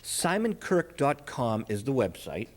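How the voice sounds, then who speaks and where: Male host, average pitch, informal conversational interview delivery. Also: sing-song, unhurried, a little mellow. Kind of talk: casual chat interview.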